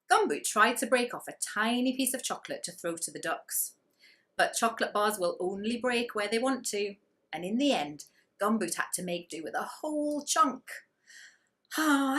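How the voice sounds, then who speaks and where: A woman reading a children's story aloud with expressive narration and dramatic emphasis on key words. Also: mid-range voice.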